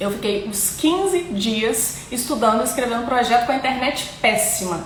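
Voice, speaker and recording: A woman with a Minas Gerais accent speaks in a high voice with lively intonation at a fairly slow pace, with audible room echo and noticeable background noise. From Minas Gerais, Brazil. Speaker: academic coach / professor. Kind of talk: live stream talk. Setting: Instagram live.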